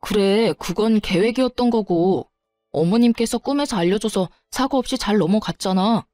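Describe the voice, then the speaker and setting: A woman's voice: mid-range voice, mellow, dry recording, soft background music, natural voice. A woman voicing a defensive, irritated young man who answers back sulkily and blames his partner. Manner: sulky, blaming, slows down when annoyed.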